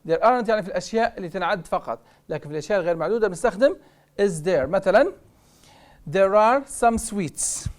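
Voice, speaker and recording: A woman with a Libyan Arabic accent teaching an English grammar lesson on television. She says the English examples slowly and deliberately, then explains them quickly. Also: mid-range voice, expressive, darkish tone.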